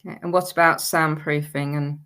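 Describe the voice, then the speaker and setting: Female webinar moderator, low-pitched voice, conversational, putting questions to panellists. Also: fairly even intonation, fairly quick, a bit bright.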